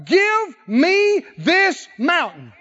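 A man voicing an eighty-five-year-old warrior who boasts and shouts that he is ready for battle. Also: very high-pitched, huge pitch swings, extremely slow, dull audio, exaggerated voice. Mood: defiant. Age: 80s. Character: old male warrior Caleb, eager and defiant.

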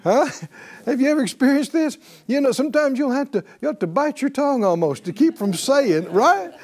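A man's voice: very high-pitched, animated, fairly quick, darkish tone. A man preaching a sermon as pastor, exhorting his congregation with call-and-response and repeating phrases for emphasis.

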